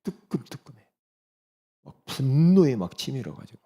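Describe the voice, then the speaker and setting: A man's voice: medium pitch, sing-song, measured pace, vocal fry, dark tone. A male pastor giving a sermon in an emphatic, conversational way, often asking rhetorical questions.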